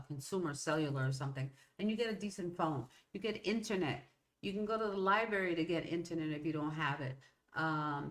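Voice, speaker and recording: A woman's voice: lowish voice, a bit bright. A middle-aged woman whose first language is Spanish, talking in a rambling, casual way as a solo podcast host, often checking in with "okay?" and "right?". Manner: rambling, conversational, self-interrupting with "okay?" and "right?". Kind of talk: solo motivational talk.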